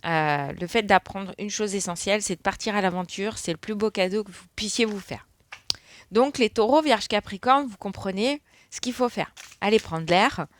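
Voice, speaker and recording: A woman's voice: medium pitch, moderate pace, a little hiss or hum. A middle-aged woman giving a casual spoken card reading, rambling with many fillers. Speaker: tarot card reader.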